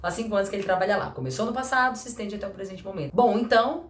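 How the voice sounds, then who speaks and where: A woman teaching English grammar in a chatty, lively way, slowing down to read example sentences. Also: medium pitch, echoey room, a little hiss or hum. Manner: chatty, lively, acts out little dialogues, slows for example sentences. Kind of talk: casual explanatory lesson.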